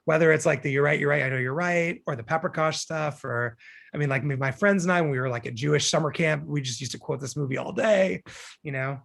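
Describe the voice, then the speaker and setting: A man chatting casually over a video call in a halting way, repeating phrases as he goes. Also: on the high side, creaky, fairly bright tone. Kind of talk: casual reminiscing chat.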